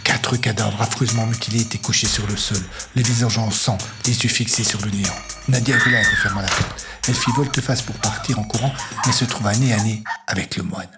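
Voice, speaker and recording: A man narrating an audio story in a measured, steady way, with music underneath. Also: fairly low pitch.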